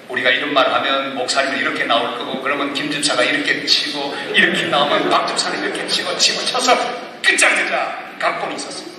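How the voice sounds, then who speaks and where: A middle-aged male pastor telling a story in his sermon, animated, breaking into sudden excited bursts. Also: a little high, slight background noise. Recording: echoey hall, mic heard from a distance.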